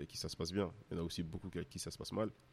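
A man with a very deep, low pitch rattles off his words at a very fast pace. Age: 20s. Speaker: music media founder and writer. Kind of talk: casual interview.

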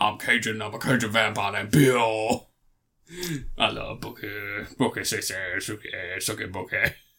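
A man puts on a raspy character voice. It sits fairly low for a man and moves at a moderate pace. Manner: playful.

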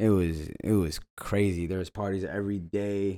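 Pitched fairly low, a man talks in a dark, mellow tone with fairly even intonation. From Northern Virginia, DC area. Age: 20s. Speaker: entrepreneur. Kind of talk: casual chat.

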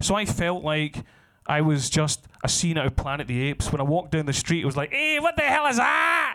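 This man's voice sits fairly high for a man, with a Glaswegian accent. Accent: Glaswegian Scottish. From Glasgow, Scotland. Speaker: comedian. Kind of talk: stand-up. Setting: stage with audience.

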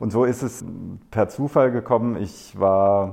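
A man with a plain, everyday voice speaks at a fairly low pitch with ordinary pitch variation. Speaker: embassy labour and social affairs attaché, trade unionist. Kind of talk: interview.

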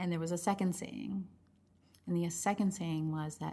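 Somewhat breathy and dark, mellow in tone, a woman's fairly low voice moves with fairly even intonation. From US, Miami, Cuban-American family. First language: Spanish. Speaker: clinical psychologist. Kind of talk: interview.

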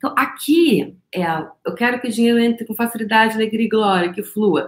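In a Gaúcho Brazilian accent, a woman speaks at a fairly quick pace in an animated, somewhat breathy voice. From Rio Grande do Sul, Brazil. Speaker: energy coach and live-stream host. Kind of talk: live-stream coaching talk.

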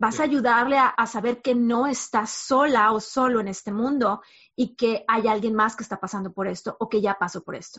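This woman's voice sits fairly high. Her intonation stays fairly even. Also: moderate pace. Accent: northern Mexican. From northern Mexico. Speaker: podcast host and money coach. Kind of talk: interview.

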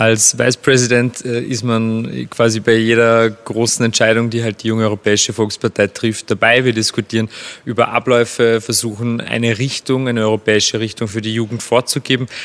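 A man talks at a moderate pace with hardly any pauses. His medium-pitched voice has monotone, flat intonation. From Austria, Vorarlberg. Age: 20s. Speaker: political candidate. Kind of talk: interview.

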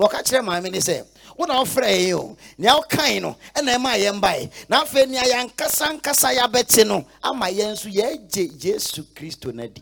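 A man speaks at a moderate pace with an extremely high pitch. His tone is animated and his intonation lively. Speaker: pastor. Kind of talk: sermon. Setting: outdoor church crusade.

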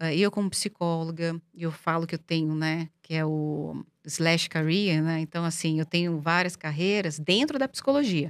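With hardly any pauses, a woman with an unremarkable speaking voice talks in a fairly low pitch with ordinary pitch variation, recorded very cleanly against a silent background with a dry, close sound and no echo. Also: fairly slow pace. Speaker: clinical psychologist. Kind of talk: interview.

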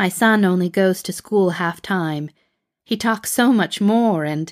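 A woman speaks in a put-on character voice at a medium pitch, with ordinary pitch variation. Her pace is fairly slow, and the recording is very clean with a silent background. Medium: audio drama. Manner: wry, dry.

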